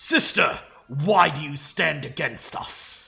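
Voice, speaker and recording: In a put-on character voice, the speaker bellows at a fairly slow pace, raspy and pitched low-to-middle. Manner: bellowing, aggressive.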